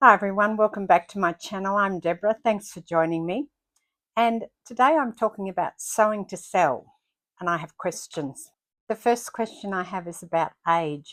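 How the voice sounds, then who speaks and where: A woman speaks in an ordinary speaking voice at medium pitch and a moderate pace, with ordinary pitch variation and big swings in loudness, recorded very cleanly against a silent background with a dry, close sound and no echo. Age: 60s. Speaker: craft and sewing vlogger. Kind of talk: casual vlog talk to camera.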